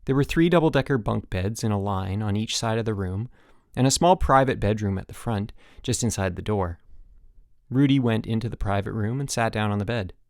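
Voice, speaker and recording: A man's voice: lowish voice, fairly quick, no echo, studio quality. A man narrating fiction as a scripted audiobook reading.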